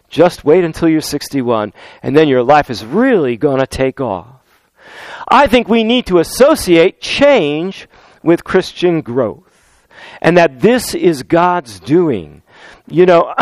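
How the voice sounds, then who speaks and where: A pastor preaching a sermon, telling anecdotes and quoting scripture, slowing down to stress key points. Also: male voice, fairly high pitch, clean tone, dry recording, low-quality recording. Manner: storytelling with anecdotes and scripture, slows down for emphasis.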